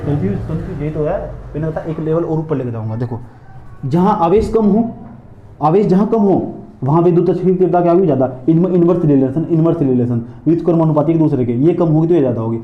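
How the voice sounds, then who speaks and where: A man lecturing a physics class at a rapid clip, his voice sitting a little high. He keeps repeating himself and firing questions, then answering them. The sound is dull and lo-fi, bouncing around a roomy classroom. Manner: repetitive, drilling questions to students. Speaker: physics teacher.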